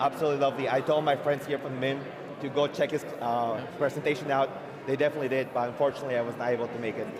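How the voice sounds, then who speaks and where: Amid noticeable background noise, a man with a Spanish accent and a fairly high pitch speaks very fast in a flat monotone. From South America. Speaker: master's student. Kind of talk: panel interview.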